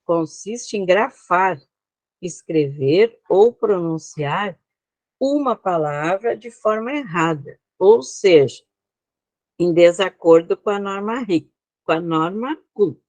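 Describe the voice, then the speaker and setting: A woman's voice: on the low side, expressive, takes it slowly, a little mellow, dry recording. A Brazilian woman teaching an online class, explaining slides step by step and often checking that her students follow. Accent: Brazilian Portuguese.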